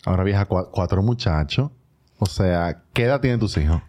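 A man's voice: low-pitched, expressive, moderate pace, darkish tone. A man in his thirties with a Dominican accent, co-hosting a casual podcast in a slangy, joking way. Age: 30s. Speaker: podcast co-host. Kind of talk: casual chat.

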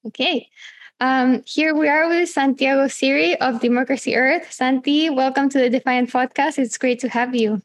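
A woman hosting a podcast, reading smoothly from a script and chatting with many fillers. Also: high voice, fairly even intonation, normal speed. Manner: smooth reads, then hesitant with many fillers. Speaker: podcast host. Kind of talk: podcast hosting and sponsor reads.

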